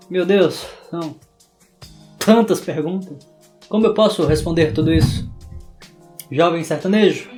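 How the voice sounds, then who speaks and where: A man's voice: fairly high pitch, a little mellow. A young man from the interior of Bahia with a sertanejo accent, narrating a scripted book video essay with dramatic, theatrical delivery. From interior of Bahia, Brazil. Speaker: book vlogger.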